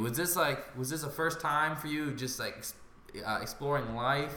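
Against noticeable background noise and audible room echo, a man with an American accent speaks with ordinary pitch variation. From Maryland. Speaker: podcast host. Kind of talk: casual chat.

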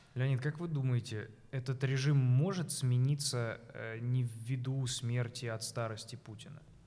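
A man's somewhat breathy voice at medium pitch, with fairly even intonation. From Voronezh, Russia. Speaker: comedian and podcast host. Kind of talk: interview.

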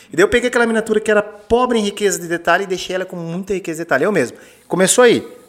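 A man's high, animated voice at a very fast pace, with ordinary pitch variation and noticeable background noise. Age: 30s. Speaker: entrepreneur, action figure maker. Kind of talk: podcast interview.

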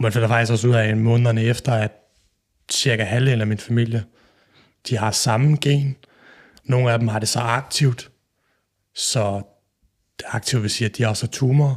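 Somewhat breathy speech comes at a moderate pace in a flat monotone, broken by long, frequent pauses, on a very clean recording with a silent background. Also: man. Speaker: psychologist and author. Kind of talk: casual interview chat.

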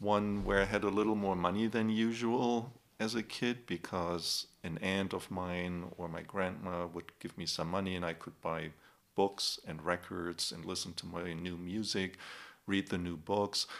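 In a very clean recording with a silent background, a man with a German accent and a very deep, low pitch talks at a fairly slow pace with fairly even intonation. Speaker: podcast host. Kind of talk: casual literary discussion.

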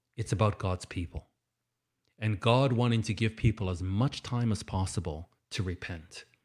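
On a very clean recording with a silent background, a man speaks in a somewhat breathy voice at a fairly low pitch with ordinary pitch variation. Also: moderate pace. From Britain. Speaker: pastor. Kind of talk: bible study lecture. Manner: halting.

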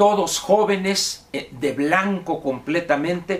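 Noticeable background noise accompanies a man whose high voice has lively intonation. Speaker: political commentator, former activist. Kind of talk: video monologue on history. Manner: halting, frequent fillers and repetitions.

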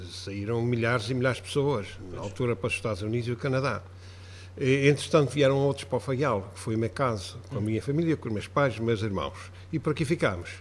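At a very fast pace, a man speaks somewhat breathily, with a medium pitch and ordinary pitch variation. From Azores, Portugal. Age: 60s. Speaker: sailor and fisherman. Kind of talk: casual interview. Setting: restaurant.

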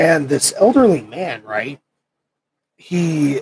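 With an American accent, a man speaks in a fairly high, somewhat breathy voice. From Nebraska. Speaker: podcast host, Marine veteran. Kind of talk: storytelling livestream. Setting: live stream on laptop. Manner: hesitant, many fillers.

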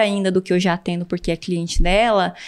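A woman speaks at a fairly quick pace in a plain, everyday voice, her pitch medium. The recording is very clean, with a silent background. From Brazil, Cunha (São Paulo state). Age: 40s. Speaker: consortium sales professional. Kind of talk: casual interview.

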